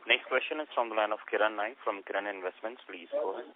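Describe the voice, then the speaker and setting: Male call operator doing scripted announcements, lowish voice, phone quality. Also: quick pace, a crowd in the background. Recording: narrow phone line.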